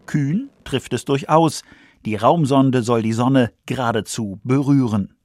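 A man's voice: mid-range voice, measured pace, darkish tone, a little hiss or hum. A man reading scripted science documentary narration for a radio feature.

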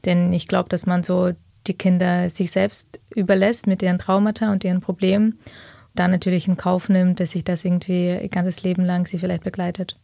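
A woman's voice: lowish voice, flat delivery, brisk, creaky, mellow, dry recording, studio quality. A woman in her thirties, originally from Ukraine, thoughtfully telling her life story as a guest in an interview. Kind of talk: reflective personal interview.

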